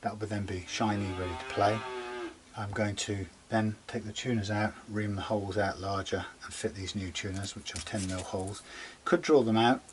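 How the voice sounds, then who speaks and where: A man talking casually through a guitar setup in his workshop, rambling and chatty, muttering quietly as he works. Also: lowish voice, steady tone, normal speed, a crowd in the background. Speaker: guitar repair demonstrator. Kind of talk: casual workshop how-to talk.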